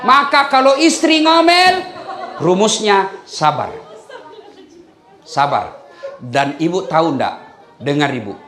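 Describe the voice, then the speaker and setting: A man's voice: high-pitched, slow, long pauses, a crowd in the background. A man preaching a humorous sermon, telling stories with laughs and teasing the women in the audience. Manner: lively storytelling with laughs and teasing asides to the women. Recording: echoey room sound.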